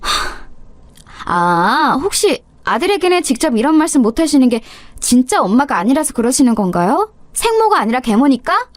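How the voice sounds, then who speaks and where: A woman's voice: high voice, big pitch swings, moderate pace, dry recording. A woman voicing a young, insolent daughter-in-law who talks back with sarcastic, mock-polite cruelty, for a radio story drama. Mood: sneering.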